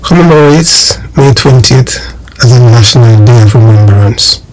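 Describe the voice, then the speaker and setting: A man with a Jamaican accent delivering political commentary straight to his audience, emphatic and deliberate in his phrasing. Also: medium pitch, darkish tone, faint music behind, low-quality recording. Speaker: online channel host and commentator.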